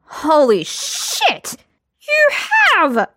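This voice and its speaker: A woman voicing a rowdy, drunk young male witcher who taunts his friends loudly and crudely. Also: mid-range voice, takes it slowly, no echo. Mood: drunk jeering. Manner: loud, slurred, crude taunting.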